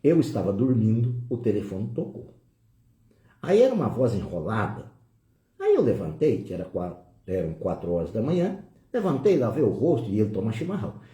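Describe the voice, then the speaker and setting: A middle-aged Brazilian man giving a spiritist talk, telling a personal story with lively, emotional quoted dialogue. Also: fairly low pitch, normal speed, reverberant. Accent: Brazilian Portuguese. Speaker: spiritist lecturer. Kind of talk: storytelling lecture.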